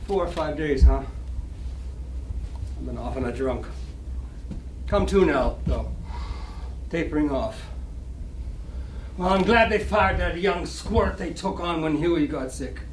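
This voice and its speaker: A man's voice: on the high side, expressive, takes it slowly, long pauses. Man acting a brash small-time gambler, echoey room. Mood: brash, guarded. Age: middle-aged. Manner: slangy, clipped, tough talk. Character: small-time gambler, cynical Broadway wise guy, phony swagger. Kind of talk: live dramatic stage reading. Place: library reading room. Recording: echoey room, distant mic, background noise.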